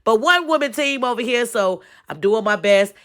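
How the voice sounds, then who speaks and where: A woman's voice: on the high side, expressive, moderate pace. Woman, 30s, solo podcast host, congested and folksy. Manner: chatty, folksy, addresses listeners as y'all, frequent "okay?". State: stuffy nose. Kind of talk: casual solo podcast talk.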